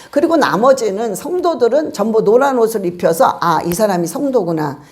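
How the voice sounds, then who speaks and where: A woman pastor preaching a sermon, telling a story in a lively way and acting out the lines of the people in it. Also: high-pitched. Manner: lively storytelling with acted-out quotes.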